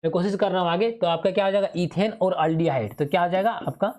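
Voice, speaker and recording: A male teacher runs a spoken exam revision lesson, posing questions and answering them himself while repeating key terms. His voice sits high, with a fast delivery and a darkish tone.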